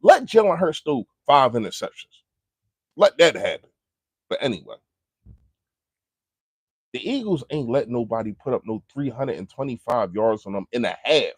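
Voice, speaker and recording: A man's voice: medium pitch, sing-song, moderate pace, pauses often, husky, no echo, studio quality. A man giving casual, unscripted sports commentary as a fan, speaking colloquially and emphatically and repeating phrases to drive points home. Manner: colloquial, informal grammar.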